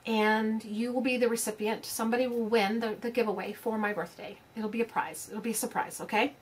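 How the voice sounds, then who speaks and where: A woman's voice: a little high, steady tone, a little fast, husky. A woman, chatting casually to her craft channel's viewers in a rambling way, full of fillers and restarts. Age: 50s. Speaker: crafting vlogger. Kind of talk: casual chat to camera.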